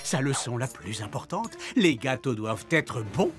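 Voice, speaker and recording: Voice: mid-range voice, sing-song, normal speed, soft background music, close to an everyday voice. An actor voicing a scheming, disdainful villainous pastry chef in a French cartoon dub, theatrical and sneering. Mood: smug, scornful. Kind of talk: French animated series dub acting.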